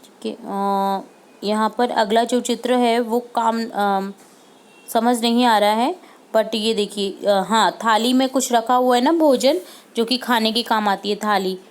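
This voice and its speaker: A woman teacher with a fairly high voice walks students through worksheet answers. She talks patiently, repeating each word slowly and dropping in English words here and there. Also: steady tone.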